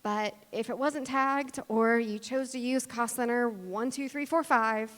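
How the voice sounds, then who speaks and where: A woman's voice: a little high, a little slow, a bit bright. Woman presenting in a very echoey hall. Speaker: conference speaker, cloud cost practitioner. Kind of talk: conference presentation, explanatory. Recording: long hall reverb.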